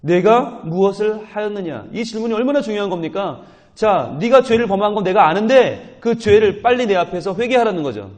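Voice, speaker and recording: A man's voice: high voice, expressive, fairly quick, a little mellow. A man, a pastor, preaching at a dawn prayer service, asking the congregation questions, answering them himself and acting out the dialogue of the story. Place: church.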